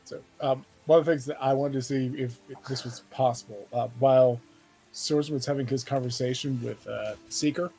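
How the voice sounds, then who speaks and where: A man's voice: mid-range voice, fairly even intonation, brisk, vocal fry, dark tone, faint music behind, low-quality recording. A man playing a tabletop game over a voice call on a computer headset, talking hesitantly with many ums and uhs while his mic cuts in and out, chopping off his words. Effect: choppy audio, mic cutting in and out. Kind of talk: casual out-of-character game talk.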